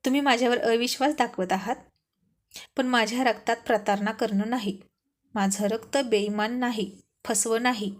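A woman's voice: a little high, steady tone, moderate pace, lightly acted. A woman voicing a spirited young wife. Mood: earnest, teasing. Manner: earnest, emotional dialogue.

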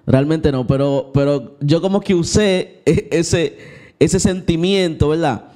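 This young Christian vlogger has a higher, dark-toned voice and talks a little slowly. Confessing a personal story with candor, he speaks right to his viewers and dramatizes the moments he's describing.

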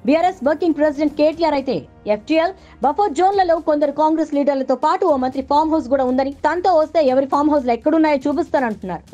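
Female news voice-over, rapid delivery, slightly dull lo-fi sound. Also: sits high, mellow. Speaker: news narrator. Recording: dull lo-fi audio under music. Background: background music bed.

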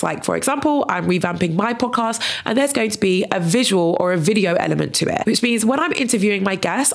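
A woman's voice: fairly low pitch, creaky. A young woman with a stuffy cold nose, chatting upbeat through a tutorial to camera at home on a studio mic. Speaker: content creator. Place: home living room. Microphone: studio mic on arm in front.

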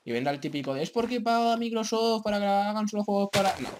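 A young man from chats in a loose, rambling way as he plays at home, his voice slightly hoarse from a sore throat. He keeps clearing his throat, and the desk mic recording sits over a loud, steady background hiss. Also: sits high, quick pace. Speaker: gaming YouTuber. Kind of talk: casual gameplay commentary.

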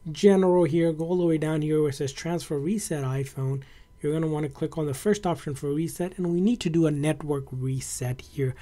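A man's voice: on the high side, dark tone. A man narrating a casual step-by-step tutorial in a conversational, instructional way as a tech presenter.

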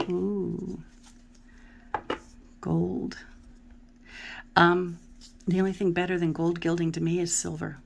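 A middle-aged woman with a Philadelphia accent talks at her table, her low voice carrying a gravelly fry. She rambles through a tarot deck in a chatty, casual way, often dropping to a near murmur. The mic hangs above her hands on the table. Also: noisy background. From Philadelphia area. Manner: chatty, rambling, often drops to a murmur while looking at cards. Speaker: tarot video host. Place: home table. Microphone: camera above the hands, speaker off frame.

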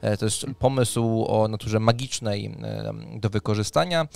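A man in his thirties hosting a talk on tabletop games, speaking haltingly into a close microphone. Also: on the low side, creaky, darkish tone, no echo. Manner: halting, hesitant delivery with drawn pauses. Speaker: podcast host. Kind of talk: conversational presentation of tabletop RPG ideas. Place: small dim room indoors, on video call. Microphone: close studio microphone on arm, headphones.

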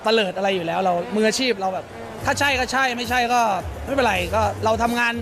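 A man's voice: sits high, quick pace. A man answering reporters in a press interview, rambling with lots of fillers. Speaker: interviewed celebrity. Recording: loud music and crowd behind.

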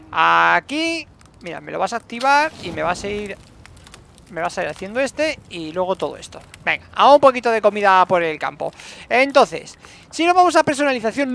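A man commentating his survival game playthrough, excitable, shouting when fights turn chaotic. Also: high-pitched, creaky. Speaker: gaming YouTuber. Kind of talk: let's play commentary.

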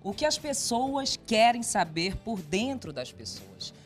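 A man's voice: sits high, sing-song, slow. A man presenting and promoting his new food program, talking enthusiastically on live TV. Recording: TV studio with music behind.

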